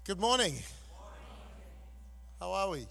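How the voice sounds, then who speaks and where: A man's voice: high-pitched, lively intonation, slow, creaky, sharp tone, a little hiss or hum. A middle-aged man from Malaysia preaching as a guest pastor, chatty and self-deprecating with frequent fillers. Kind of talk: sermon with personal story.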